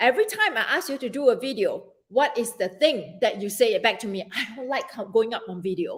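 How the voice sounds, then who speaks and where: With a Singaporean accent, a woman speaks at a high pitch and a moderate pace. Her intonation is lively. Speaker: event planning business coach. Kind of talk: live-streamed tutorial. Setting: Facebook live video. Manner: animated.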